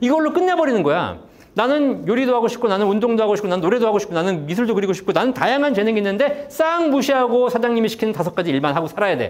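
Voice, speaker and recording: A man's high, animated voice at a very fast pace, with very wide pitch swings and audible room echo. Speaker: pension expert lecturer. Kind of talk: public lecture. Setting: stage with audience. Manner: animated, rhetorical questions to audience.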